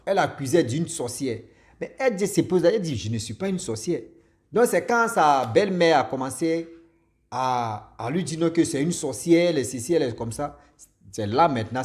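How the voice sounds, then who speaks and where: Animated man telling a story. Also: a little high. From Martinique and Ivory Coast parents. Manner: animated, laughs often, repeats words. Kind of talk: casual spoken storytelling.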